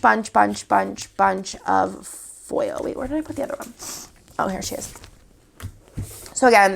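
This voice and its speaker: Upbeat young woman, sniffly cold, gravelly fry, medium pitch, casual shop-owner vlog. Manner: chatty, upbeat, walks through items one by one. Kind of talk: casual product showcase.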